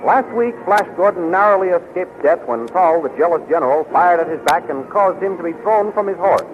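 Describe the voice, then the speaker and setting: Thin old radio sound, high-pitched male announcer, formal, declamatory, dramatic 1930s serial narration. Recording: tinny, noisy 1930s radio recording.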